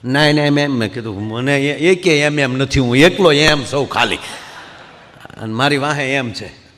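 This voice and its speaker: A man telling comic folk stories to a live audience, acting out his characters with quick voice shifts. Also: medium pitch, a bit bright. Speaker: folk comedian storyteller. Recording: hall reverb.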